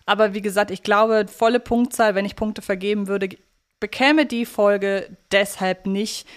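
A woman's voice: medium pitch, steady tone, unhurried. A woman co-hosting a podcast, chatting casually as she reviews an audio drama. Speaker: podcast co-host.

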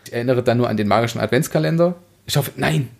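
Male podcast host, medium pitch, casual and reflective reviewer who rephrases as he goes. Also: quick pace, creaky. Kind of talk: casual book review discussion.

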